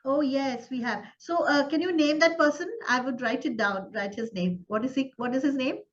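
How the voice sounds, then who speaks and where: A woman hosting an interview, asking curious questions in a casual way with halting restarts. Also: high voice, highs cut off. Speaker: interview host.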